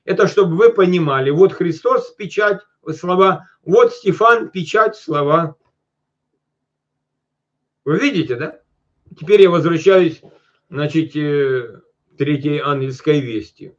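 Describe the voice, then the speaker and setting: On a muffled lo-fi recording, a preacher with a fairly high male voice reads scripture at a slow pace. He frequently breaks off to speak right to his audience before racing through casual asides.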